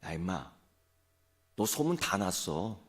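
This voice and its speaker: A man voicing a small, defiant red-eyed rabbit who bluffs by shouting loudly. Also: sits low, sing-song, slow, full character voice. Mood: taunting. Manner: shouting, loud and brash.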